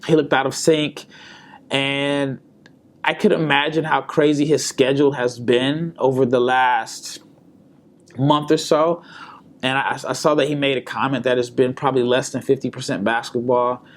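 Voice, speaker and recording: Slightly hoarse male podcast host. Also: medium pitch, fairly even intonation, normal speed. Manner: conversational, repeats words and restarts. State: slightly hoarse, sore throat. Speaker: podcast host and basketball scout. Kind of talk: casual solo podcast commentary. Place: hotel room or indoor spot in Las Vegas.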